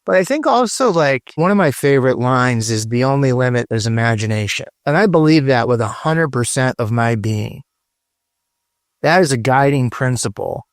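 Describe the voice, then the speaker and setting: A middle-aged man speaks as a podcast guest with a smooth, resonant voice, recorded dry and close. He talks in an emphatic, profane, motivational way, stacking short commands and never letting the energy drop. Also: medium pitch, animated, normal speed, no room sound. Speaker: guest, branding strategist. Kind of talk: casual podcast interview.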